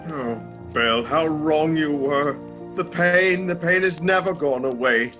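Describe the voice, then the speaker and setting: A man acts out an anguished old miser looking back in regret. His voice is high and his pace is very slow, in a theatrical radio play style. Music plays clearly behind him. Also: natural voice. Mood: regretful.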